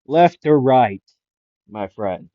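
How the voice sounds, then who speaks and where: A man's voice: medium pitch, expressive, slow, dry recording, dull audio. A man voicing a smug male villain magician in a mock Italian mafia-style voice, drawling his taunts. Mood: taunting.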